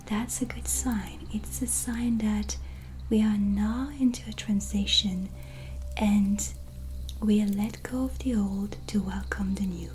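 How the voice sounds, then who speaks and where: A woman playing a gentle, reassuring white witch tarot reader in a breathy, soft-spoken ASMR whisper. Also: mid-range voice, close to an everyday voice. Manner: slow, pausing, soothing, reflective. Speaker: ASMR roleplayer giving a tarot reading. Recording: soft music behind close voice. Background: soft relaxing music.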